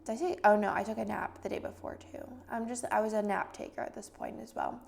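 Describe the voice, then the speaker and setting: A young woman rambles through a casual vlog voice-over, full of fillers. Her voice is heavily fried and gravelly, and her pitch stays flat. She sounds a little stuffy and congested. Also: fast. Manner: chatty and rambling, many fillers. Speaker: planner vlogger.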